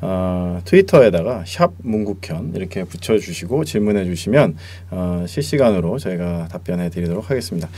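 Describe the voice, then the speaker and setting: A man's voice: low-pitched, expressive, normal speed, hardly any pauses, warm tone, husky. A polite man moderating a live talk show and reading out viewer questions. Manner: polite, frequent short acknowledgements.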